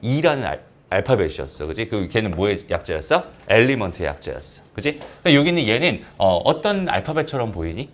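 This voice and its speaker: A man's voice: lowish voice, sing-song, brisk, few pauses. A man teaching math in a recorded lecture, chatting casually and asking questions that he answers himself.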